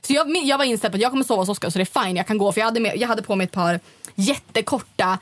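A young woman from telling a funny night-out story in casual chat, full of quoted voices and sudden high pitch jumps. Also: no room sound. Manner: animated retelling, jumps up in pitch when quoting people.

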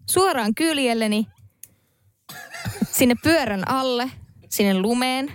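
A woman's voice: a little high, no room sound. Woman on a panel telling a funny story about herself, dry studio sound. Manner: animated, self-mocking anecdote. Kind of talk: casual storytelling.

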